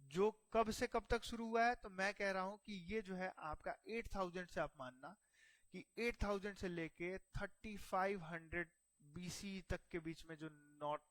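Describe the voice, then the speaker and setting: A man's voice: sits high, fairly bright tone, no echo. A man teaching a history exam-prep lecture, explaining step by step and asking himself rhetorical questions.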